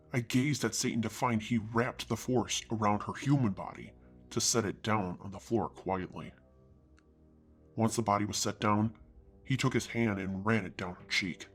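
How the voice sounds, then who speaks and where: A man reading a first-person fantasy story aloud, with an earnest husky delivery that climbs into anger on the hero's lines. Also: fairly low pitch. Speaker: story reader.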